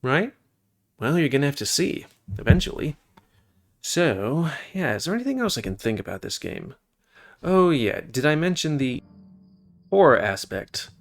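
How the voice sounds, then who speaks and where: A man's voice: fairly high pitch, very animated, moderate pace, pauses often. A man giving casual, rambling commentary over a video game, with chatty asides.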